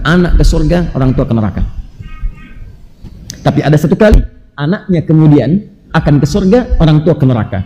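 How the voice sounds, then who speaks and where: A man delivers an emphatic sermon in a high, mellow voice, pressing rhetorical questions on his listeners. He moves at a fast clip and recites scripture rapidly between explanations. His voice rings out with the long reverb of a hall. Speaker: Islamic preacher.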